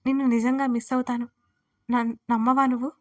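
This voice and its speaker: A woman's voice: fairly high pitch, little pitch movement, fairly quick, darkish tone, lightly acted. A woman voicing a playful, teasing young husband in a narrated audio story. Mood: tender.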